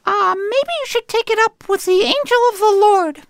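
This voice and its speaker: A man's voice: normal speed, gravelly, a bit bright, no room sound, full character voice. A man voicing Mary as a fussy, complaining young Jewish mother in an old-fashioned Brooklyn Yiddish accent, in a comic radio skit. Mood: kvetching. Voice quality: high falsetto voice. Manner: complaining, exasperated sighs.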